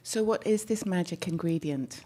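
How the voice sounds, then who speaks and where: This therapist has a low-leaning voice and a normal pace as she gives a talk to an audience over a microphone. She is soft-spoken and leans toward the mic, pausing to restart thoughtfully whenever a word escapes her.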